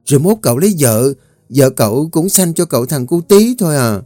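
Man doing a teasing young maid, high bubbly voice, mellow, dry close sound. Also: big pitch swings, fairly quick, no room sound, faint music behind. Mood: amused.

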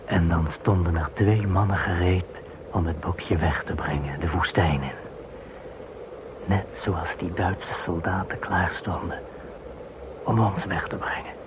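A man in a radio play acting a devout Jewish man facing deportation, telling things in a solemn, measured way. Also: low-pitched. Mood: solemn explaining. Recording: muffled phone-like band, clear hiss.

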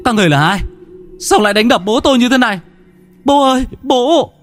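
A man's voice: very high-pitched, lively intonation, a little fast, voice pushed up. A male storyteller voicing a middle-aged son who pleads tearfully for his father. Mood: anguished. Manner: crying, tearful. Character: desperate grown son, anguished and pleading.

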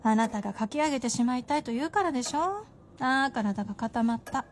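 上品な言葉遣いで夫をからかう作家の妻を演じる女性俳優。ラジオドラマの芝居。. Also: female voice, on the high side, expressive, brisk, a little hiss or hum, close to an everyday voice. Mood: wry. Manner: polite, teasing, genteel speech. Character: refined wry wife of a novelist. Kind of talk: radio drama acting.

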